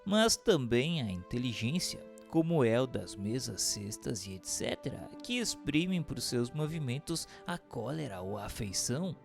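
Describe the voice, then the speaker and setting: Earnest, methodical male questioner acted by a man, creaky gravelly voice, formal radio drama delivery over music. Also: a little high.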